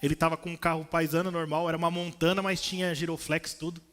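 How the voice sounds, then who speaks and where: High, bright-voiced pastor preaching. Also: male voice, flat delivery, quick pace. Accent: Brazilian Portuguese, São Paulo. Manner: storytelling, acts out voices of people. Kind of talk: sermon. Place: church, indoors.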